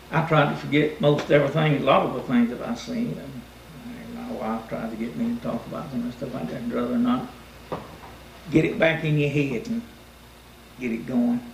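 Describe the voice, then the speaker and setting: A man with a Southern US accent talks at a fairly quick pace, with fairly high pitch and very wide pitch swings. Long, frequent pauses break up his speech, with light background noise and audible room echo. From South Carolina (Newberry County); South Carolina. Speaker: war veteran. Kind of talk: oral history interview. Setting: library. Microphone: camera far.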